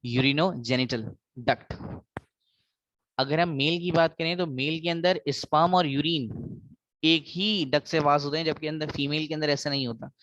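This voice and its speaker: A man's voice: a little high, fairly even intonation, normal speed, fairly bright tone, no room sound, highs cut off. A man with a South Asian accent giving an explanatory biology lecture, mixing in English and repeating key phrases for emphasis.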